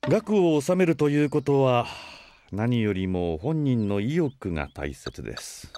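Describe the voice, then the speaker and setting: A man playing a gentle, worried older brother in an audio drama, lecturing with formal politeness. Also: mid-range voice, big pitch swings, unhurried, dry recording. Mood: mild, approving. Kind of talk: Japanese audio drama acting.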